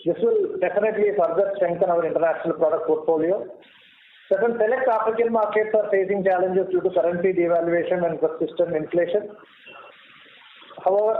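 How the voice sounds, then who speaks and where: A man with an Indian accent, a company executive giving formal, measured prepared remarks on an earnings call, stumbling now and then. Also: high voice. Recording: muffled, echoey conference call line with noise.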